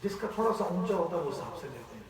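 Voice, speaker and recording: A man's voice: high voice, very animated, very echoey, distant mic, noisy background. A man teaching a class on Quran recitation, explaining step by step and often checking that his students follow. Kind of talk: classroom voice lesson.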